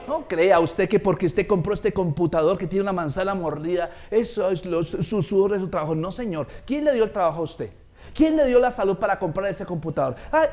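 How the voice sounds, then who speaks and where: A man preaching a sermon, telling stories and acting out the voices in them, growing loud on his points of praise. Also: sits high. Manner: animated storytelling, acts out quoted voices, swells loud on praise. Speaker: pastor.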